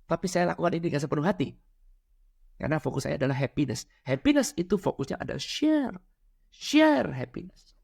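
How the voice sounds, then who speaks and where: A man's voice: fairly high pitch, animated, fairly quick, vocal fry, a little mellow, breathy edge. A man giving a motivational talk on money and happiness, asking rhetorical questions, acting out little scenes and mixing in English words. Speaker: financial and spiritual coach.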